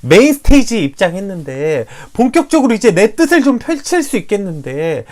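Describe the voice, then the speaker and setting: Lively devotional preacher, animated and questioning, with a widely swinging pitch. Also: fairly quick. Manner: animated, asks rhetorical questions, acts out quoted prayers. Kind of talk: morning devotional sermon, livestreamed.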